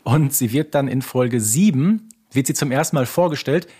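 A man with a somewhat rough, husky voice of average pitch talks as a podcast co-host. His style is casual and chatty, and he explains small details and trivia as he goes. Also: normal speed, mellow.

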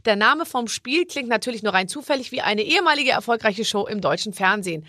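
A woman's voice: a little high, expressive, brisk, sharp tone, no echo, clean studio sound. A woman hosting a podcast, leading a casual chat with playful, teasing jokes. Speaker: podcast host.

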